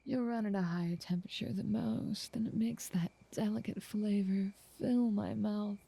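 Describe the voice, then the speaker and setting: A woman playing a doting, possessive noble vampire in an ASMR roleplay, speaking softly and coaxingly in genteel words, often slipping into a whisper, close to the mic. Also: medium pitch, fairly even intonation, creaky, breathy edge. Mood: savoring, hungry. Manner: slow, soothing, coaxing, genteel wording. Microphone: close, dry microphone.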